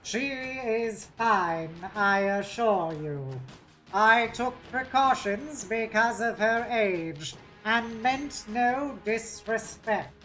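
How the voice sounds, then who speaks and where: An unctuous cyborg tech-priest, played by a woman reading a novel aloud, speaks very slowly and with false courtesy. He sounds smooth and patronizing, over music. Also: a little high, lively intonation, a bit bright, exaggerated voice, rough recording. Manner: unctuous, slow, politely condescending. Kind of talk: dramatic novel read-aloud.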